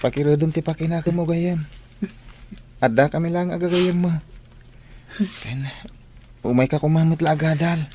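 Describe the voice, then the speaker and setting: A man's voice: fairly high pitch, fairly even intonation, normal speed, pauses often, warm tone, a little hiss or hum, lightly acted. A man playing a concerned teenage schoolboy friend in an audio drama, earnest and persuasive. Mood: encouraging. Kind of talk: Ilocano radio-style drama acting.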